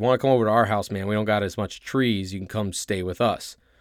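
A man with a fairly low pitch and ordinary pitch variation, in an American accent, on a very clean recording with a silent background. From Ohio. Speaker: podcast host, soldier. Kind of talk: casual podcast monologue.

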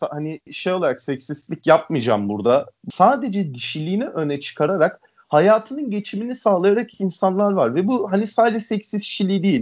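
A man's high-pitched voice swings very widely in pitch. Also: moderate pace. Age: 20s. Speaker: mechanical design engineer, listener guest. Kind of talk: casual chat.

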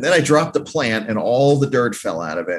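With lively intonation, a man speaks in an American accent. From US South, Miami, Florida. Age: 50s. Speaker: reptile breeder. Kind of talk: casual chat. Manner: animated.

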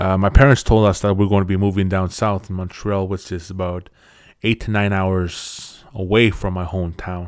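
Over a silent background in a very clean recording, the speaker talks with a Canadian accent at a moderate pace, in a monotone, flat intonation. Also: man, very deep, low pitch for a man. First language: Cree. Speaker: podcast host, performance coach. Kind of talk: personal storytelling monologue. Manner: hesitant with frequent fillers and repetitions.

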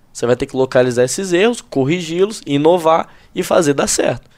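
A man's normal speaking voice, fairly high in pitch, with lively intonation. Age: 20s. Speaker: young entrepreneur. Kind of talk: casual chat.

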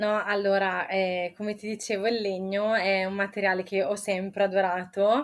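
Against a silent background in a very clean recording, a woman of medium pitch speaks fairly slowly in a flat monotone. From northern Italy, province of Bergamo. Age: 20s. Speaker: wood pyrography artisan. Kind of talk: interview conversation. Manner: hesitant, with fillers and repetitions.

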